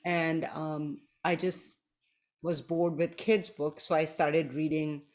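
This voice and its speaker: A middle-aged woman from Pakistan speaks in an English, unhurried and measured. She pauses often and fills gaps with soft ums, like a podcast co-host looking back on her life. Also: low-pitched, level tone. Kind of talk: casual podcast chat.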